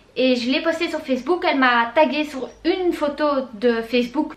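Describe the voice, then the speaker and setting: A woman speaks with a high pitch. There is noticeable background noise. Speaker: YouTuber and graphic designer. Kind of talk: casual vlog monologue. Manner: fast; hesitant, many fillers.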